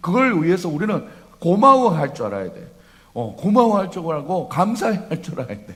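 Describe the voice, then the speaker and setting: A high-pitched man at a moderate pace, with very wide pitch swings, big swings in loudness, audible room echo and noticeable background noise. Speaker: pastor. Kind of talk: sermon.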